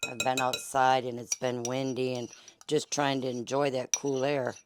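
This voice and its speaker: A woman host with a Southern accent and a hoarse, fading voice, chatting folksily through a home cooking demonstration. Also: a bass voice, little pitch movement, moderate pace, heavy background noise. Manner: chatty, folksy, many fillers. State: hoarse, losing her voice. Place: home kitchen.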